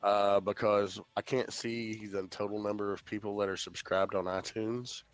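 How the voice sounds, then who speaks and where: A man's voice: fairly low pitch, level tone, moderate pace, dry recording, soft background music. A man in his thirties with a stuffy head cold, chatting casually and swearing easily on a voice call. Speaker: podcast host. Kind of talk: casual chat.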